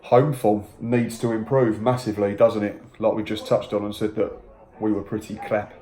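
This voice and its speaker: A man hosting a casual football podcast, chatty and teasing, with quick asides. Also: lowish voice, fairly even intonation, mellow. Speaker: podcast host. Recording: echoey room.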